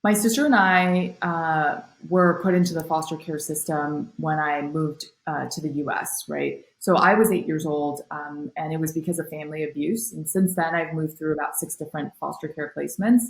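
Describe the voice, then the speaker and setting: A woman's voice: sits low, steady tone, normal speed, few pauses, echoey room, low-quality recording. A young woman from Taiwan, a nonprofit founder, talking reflectively as a podcast guest with many fillers. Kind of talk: podcast interview.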